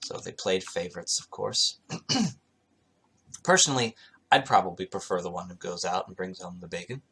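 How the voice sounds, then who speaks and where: A man's voice: deep voice, normal speed, sharp tone, slightly rough. A man reading scripture aloud in a casual way, with wry, irreverent, sarcastic asides of his own.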